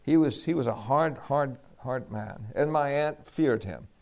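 A man from Puerto Rico preaching a sermon, telling a lively personal story and acting out the dialogue. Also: medium pitch, a little slow, creaky.

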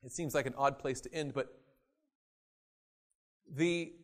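A man preaching a sermon, acting out quoted voices and swinging from loud emphasis to quiet asides. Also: medium pitch, takes it slowly. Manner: dramatic, acts out voices in quoted scripture.

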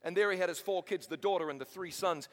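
A man from New Zealand with a slight American tinge, preaching a story-driven sermon in an animated, chatty way with self-mocking asides. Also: sits high, fast. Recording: long hall reverb.

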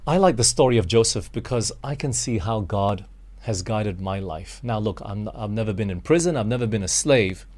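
A man's voice: on the low side, expressive, moderate pace, a little mellow. A Malaysian man preaching a sermon, earnest and direct, calling his listeners friends and asking them rhetorical questions.

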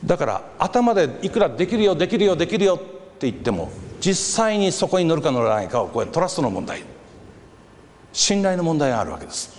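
Animated male preacher in a hall. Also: fairly high pitch, a little fast. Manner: animated storyteller acting out crowd voices. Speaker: pastor. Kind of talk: sermon with storytelling. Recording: reverberant hall with faint background noise.

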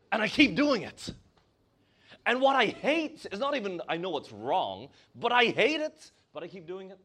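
A man's voice: fairly high pitch, fairly bright tone. A male preacher with a Malaysian accent, delivering a sermon and asking his congregation questions as he stresses key words.

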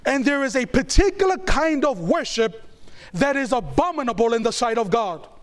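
A man's voice: very high voice, lively intonation, moderate pace. A man from New Zealand preaching a sermon in an emphatic style, repeating key phrases and calling for answers from the congregation. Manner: call-and-response, asking the congregation to answer.

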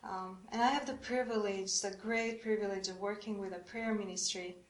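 A woman's voice: medium pitch, fairly even intonation, moderate pace. A woman from Romania, leading a church workshop on prayer and drawing the audience in with questions. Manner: engaging, asks the audience questions. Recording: echoey room.

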